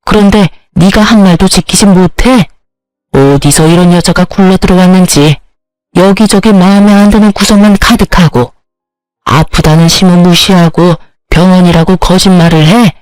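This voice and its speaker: A woman's voice: fairly low pitch, normal speed, a little mellow, dry recording, soft background music, natural voice. Woman doing a harsh scolding older mother-in-law. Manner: berating, insulting, accusatory.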